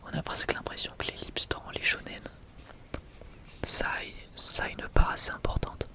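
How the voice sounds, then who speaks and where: In this unhurried ASMR showcase, the creator speaks in a soft, breathy, unvoiced whisper, sounding informal and a bit hesitant.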